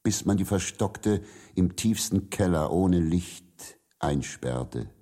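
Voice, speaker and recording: A man reciting a poem in a measured, deliberate manner, leaving long pauses. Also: sits low, lively intonation, warm tone. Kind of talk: poetry recitation.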